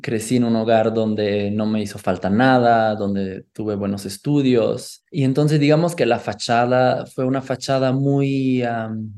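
A man with an Italian accent, a native Italian speaker, talking reflectively as an interview guest, measured and thoughtful. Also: mid-range voice, steady tone, warm tone. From Italy. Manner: measured and thoughtful, often ending with a questioning "no?". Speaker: guest, somatic therapist.

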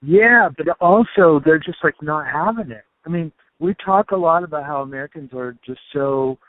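A man's voice: a little high, moderate pace, no room sound. A man in casual chat, musing loosely and using many fillers. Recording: tinny phone-like line.

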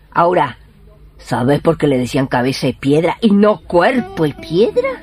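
An actress playing a boastful older Argentine village healer in radio theatre, telling tall tales in colloquial, theatrical, drawn-out phrases. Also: female voice, very deep voice, heavily acted.

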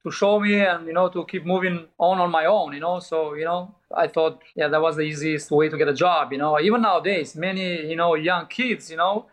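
A man's voice: a little high, steady tone, fairly quick, hardly any pauses. A middle-aged man from Albania and Italy with an Albanian accent, telling his story casually as an interview guest with frequent filler asides. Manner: frequent "you know" asides, non-native phrasing. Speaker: guest, pizzeria owner and chef.

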